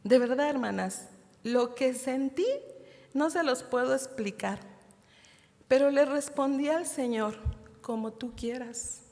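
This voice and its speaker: A woman's voice: high-pitched, darkish tone. Mexican woman testifying in a reverberant church. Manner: heartfelt, addresses listeners as sisters, halting restarts. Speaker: women's meeting speaker. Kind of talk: emotional personal testimony sermon. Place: church hall. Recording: long church hall reverb.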